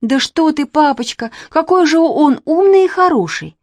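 A chatty, stubborn little girl, as a woman reads her aloud, high and eager, firing off questions in a storybook reading. Her voice leaps and swoops and sounds dry and close. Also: expressive, moderate pace, no room sound. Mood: indignant.

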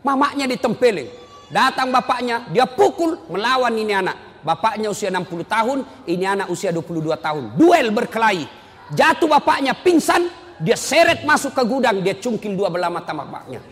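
A male Islamic preacher giving a lively sermon full of stories, swinging between loud emphatic rises and low, quiet drops. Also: brisk. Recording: long hall reverb.

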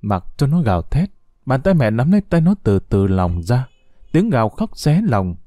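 A man narrating a sad story in a slow, heartfelt, expressive way. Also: mid-range voice, no room sound, clean studio sound.

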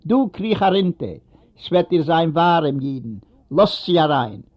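Man doing a cranky old beggar with a limp, bossy and gruff, muffled old-sounding audio. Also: on the high side, expressive, a little slow. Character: lame, hot-tempered old beggar man. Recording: dull lo-fi recording.

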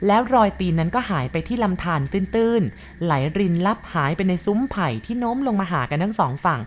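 A woman's voice: mid-range voice, expressive, brisk, a little hiss or hum. A woman storyteller narrating a ghost story, polite and addressing her listeners directly.

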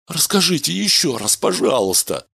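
A man doing a frightened, high-pitched test subject. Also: big pitch swings, normal speed, vocal fry, sharp tone, slightly rough, no room sound, studio quality, full character voice. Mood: eager. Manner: anxious, insistent, rising to cries.

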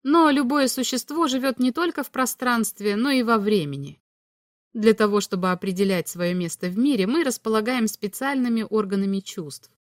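A patient male alien humanoid who knows the future lays out his reasoning in measured, even phrases, as a woman reading a storybook puts him on. The voice sits a touch higher than a plain reading voice. The recording is dry and close, with no room sound. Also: dry recording, close to an everyday voice. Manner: patient, explanatory, slightly higher voice. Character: calm all-knowing male alien humanoid. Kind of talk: audiobook reading.

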